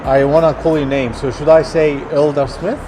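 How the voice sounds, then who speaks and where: A man's voice: a little high, level tone, moderate pace, noisy background. A man from Egypt with an Egyptian accent and native Arabic, chatting casually as a street vlogger. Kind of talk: casual street vlog chat. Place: outdoors on an urban shopping street.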